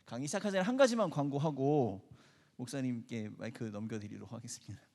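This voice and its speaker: Guy doing church announcements, polite and encouraging, mid pitch voice, big echoey hall. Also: quick pace, vocal fry, a little mellow. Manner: polite, encouraging, addressing the group. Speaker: church training leader giving announcements. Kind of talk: announcements to a congregation. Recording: long echoing hall reverb.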